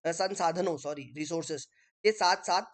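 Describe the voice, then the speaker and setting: A man's voice: on the high side, normal speed. A male teacher talks through an online exam-prep lesson in a chatty, conversational way. He explains each point step by step and keeps checking in with his listeners. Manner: explains step by step while writing on screen.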